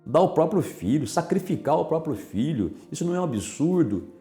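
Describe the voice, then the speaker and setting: A man's voice: on the high side, big pitch swings, brisk. A man preaching a sermon as a pastor, speaking straight to his listeners and asking them questions. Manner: asks listeners direct questions. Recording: echoey room with soft music. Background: soft music.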